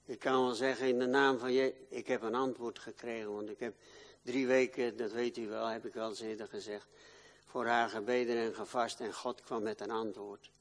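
An older man preaching a sermon in a church, swinging from loud declaiming to quiet, confiding talk. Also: medium pitch, little pitch movement, normal speed, in a large hall.

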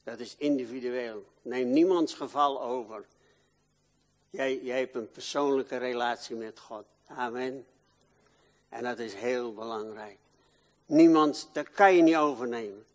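Older man preaching with slow, surging intensity. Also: medium pitch, in a large hall. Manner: emotional, swings from loud declaiming to quiet confiding. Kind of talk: sermon.

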